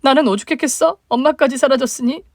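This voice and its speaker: A woman's voice: sits high, fast, dry recording, clean studio sound, lightly acted. A woman voicing a hurt young single mother, the younger sister, speaking plaintively in a dramatized story. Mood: shocked, tearful. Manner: plaintive, emotional questioning.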